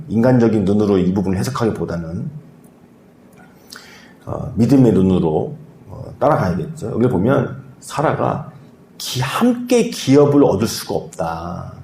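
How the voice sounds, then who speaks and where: A man preaching a sermon as pastor, in a conversational way with rhetorical questions and soft fillers. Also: on the low side, creaky, roomy sound, slight background noise, rough recording.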